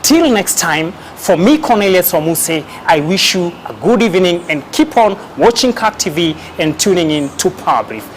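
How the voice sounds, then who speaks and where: A man's voice: high-pitched, sing-song, moderate pace, hardly any pauses, a little hiss or hum. A man with a Kenyan accent hosting a live talk show, with a formal, polished presenter's delivery.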